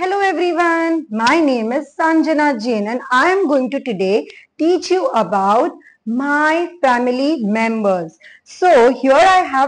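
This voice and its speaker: A woman talks with lively intonation. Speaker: preschool teacher. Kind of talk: storytelling lesson for children. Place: classroom. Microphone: lapel.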